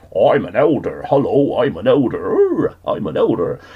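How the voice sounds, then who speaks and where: Here a man puts on a character voice at an extremely high pitch. He keeps a moderate pace. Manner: comedic, silly.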